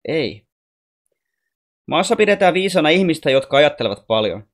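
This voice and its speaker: A man's voice: on the high side, sing-song, pitched above the performer's own voice. A man playing a curious, doubtful human boy who keeps asking questions. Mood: curious, doubting. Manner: questioning, unsure.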